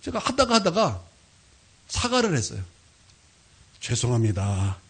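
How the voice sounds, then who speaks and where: Male pastor, sermon delivery, husky slightly high voice, big swings, dramatic storyteller. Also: brisk. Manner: animated storytelling with sudden loud peaks. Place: church sanctuary.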